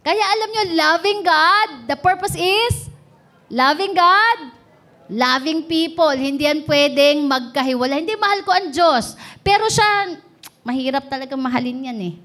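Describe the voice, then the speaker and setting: A Filipino woman pastor preaches a church sermon in a high, bright voice. She keeps asking the congregation rhetorical questions and mixes English phrases into her preaching. She often drops her pace to press each key word home. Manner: lively, emphatic, often slowing to stress key words. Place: church service.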